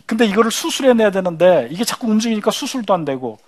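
A man playing a calm, kindly male local doctor who talks gently and humors his patient in a story. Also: high voice, fast talker, voice pushed up. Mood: soothing.

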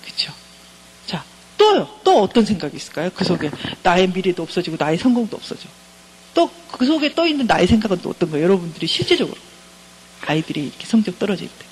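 A woman's voice: fairly low pitch, sing-song, fast, darkish tone, a little hiss or hum, rough recording. A middle-aged woman professor giving a counseling lecture, engaging her listeners by keeping on asking them questions.

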